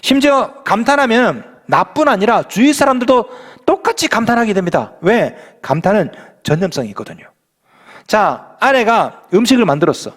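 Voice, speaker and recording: Male pastor, high voice, very animated delivery, playful church sermon. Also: normal speed, big-room sound. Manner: lively, playful preaching with slang exclamations.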